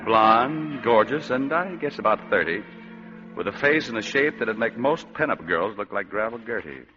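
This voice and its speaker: An actor playing a wisecracking hard-boiled private eye, narrating and questioning in 1940s radio style with dry wit. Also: male voice, lowish voice, expressive, normal speed, over music, lightly acted. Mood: sardonic. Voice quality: dry, wry. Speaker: narrator and detective. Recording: muffled old radio broadcast.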